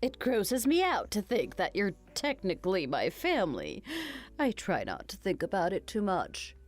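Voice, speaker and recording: A spiteful, money-hungry mother-in-law sneers and mocks, voiced by a woman. Her pitch swoops wildly from line to line as she delivers each insult. Faint music plays behind this animated story. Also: moderate pace. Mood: sneering. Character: cruel older mother-in-law, spiteful and greedy.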